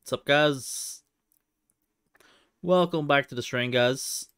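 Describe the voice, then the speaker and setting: A man's voice: medium pitch, slow pace, fairly bright tone, smooth. A man hosting a gaming livestream in casual, slangy, informal chat. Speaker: livestream host, speedrunner.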